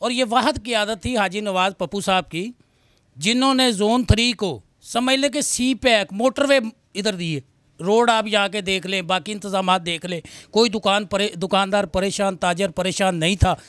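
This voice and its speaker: A man's voice: high-pitched, normal speed, a bit bright, dry recording, clean studio sound. A male trader speaks emphatically and critically in an interview held in a crowded indoor office. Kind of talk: interview answer. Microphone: handheld mic.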